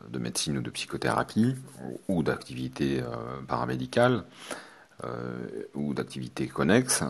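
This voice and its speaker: A man's voice: a bass voice, vocal fry, husky. A man from France, a hypnotherapist teaching a course, talking hesitantly with many fillers and restarts. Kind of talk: spoken lesson to students.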